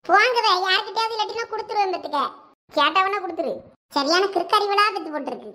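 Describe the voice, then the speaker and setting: A woman with a Thoothukudi Tamil accent voicing village women in a cartoon, full of lively scolding banter. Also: extremely high pitch, fast, very noisy. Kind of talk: cartoon voice acting.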